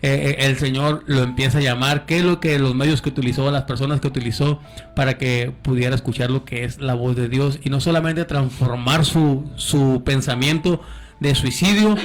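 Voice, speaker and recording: A man's voice: mid-range voice, moderate pace, faint music behind. A man hosting a Christian radio program, introducing a guest's testimony in a preachy tone with many hesitant restarts. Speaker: radio show host.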